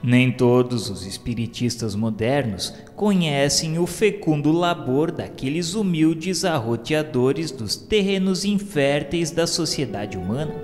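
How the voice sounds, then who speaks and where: A Brazilian man reading a scripted radio narration in a solemn, formal, measured way. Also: fairly high pitch. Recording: long reverb, music behind the voice. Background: music.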